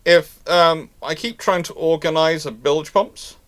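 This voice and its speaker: A man hosting a live history question-and-answer stream in casual chat, talking in a halting, rambling way with repeated words. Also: on the high side, a bit bright. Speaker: host of a live naval history Q&A.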